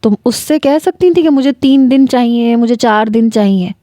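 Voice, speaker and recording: Woman reading an angry young husband, demanding, scolding, dark soft tone, dry close sound. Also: fairly high pitch, dry recording, pitched above the performer's own voice, close to an everyday voice.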